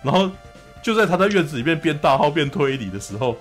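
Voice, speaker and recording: A man hosting a casual anime review chat, retelling scenes in an animated way, often laughing and checking in with "you know?". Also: fairly high pitch, fast talker, soft background music. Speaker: host.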